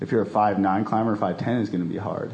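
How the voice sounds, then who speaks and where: A man's ordinary speaking voice, fairly low in pitch, with ordinary pitch variation. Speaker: climber and filmmaker. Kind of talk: live podcast panel chat. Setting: stage with audience.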